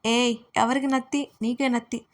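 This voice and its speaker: A woman voicing a playful, childish young woman who squeals and shouts in an audio story. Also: on the high side, flat delivery, normal speed, lightly acted. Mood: childish pouting.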